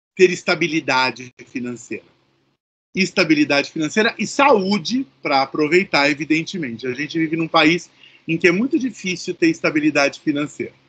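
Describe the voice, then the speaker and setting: A man speaks at a moderate pace with a fairly high pitch. His is a normal speaking voice with lively intonation. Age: 60s. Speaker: actor and theatre director. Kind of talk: interview.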